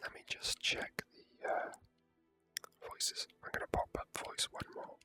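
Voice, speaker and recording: A man whispers his way through ASMR game commentary. The whisper has a crisp, bright edge, and he talks hesitantly, with a self-deprecating streak. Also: measured pace, soft background music. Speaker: ASMR gamer.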